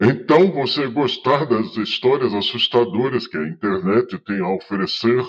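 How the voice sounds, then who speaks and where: A man does a put-on character voice at a moderate pace with hardly any pauses. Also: medium pitch for a man. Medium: read story. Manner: friendly, enthusiastic.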